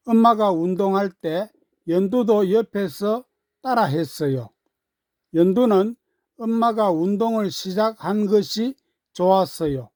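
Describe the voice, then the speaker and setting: Female children's storyteller, measured slow read, mid pitch, very dry sound. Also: mellow, dry recording. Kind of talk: scripted children's story narration.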